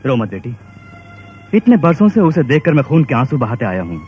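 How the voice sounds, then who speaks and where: A man playing a grieving elderly father in a dubbed film, gently pleading with his family. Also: medium pitch, big pitch swings, a little fast, soft background music, lightly acted. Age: older. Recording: dull film dub with background score.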